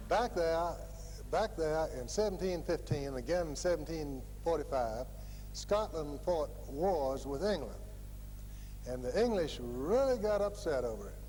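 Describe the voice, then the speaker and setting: A man speaks at a fairly slow pace with a Virginia accent, leaving long, frequent pauses, and the room echo is audible. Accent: Virginia Southern. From Virginia (Lynchburg). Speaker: stockbroker and guest speaker. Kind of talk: speech to an audience.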